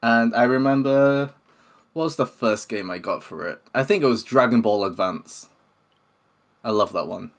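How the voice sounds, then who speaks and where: A man's voice: mid-range voice, moderate pace. A man, talking casually as an interview guest. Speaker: interview guest, game developer. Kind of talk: casual chat.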